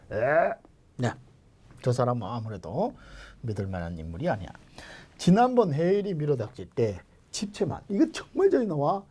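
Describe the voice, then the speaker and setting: A man teaching Korean grammar for civil service exams in a jokey, animated way, jumping between loud calls and whispered asides, his throat strained. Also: mid-range voice, a little slow, pauses often, breathy edge. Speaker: Korean language exam lecturer. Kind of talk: online exam-prep lecture.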